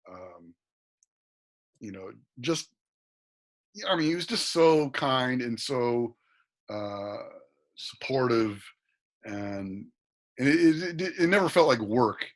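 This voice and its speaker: A man in his thirties, guest actor on a podcast, talking casually with a deep voice, often repeating words and laughing. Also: animated, takes it slowly, long pauses.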